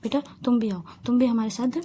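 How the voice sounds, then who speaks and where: A woman's voice: on the high side, steady tone, a little fast, mellow, slight background noise, natural voice. A woman voicing a caring middle-aged mother who talks in a kindly, fussing way.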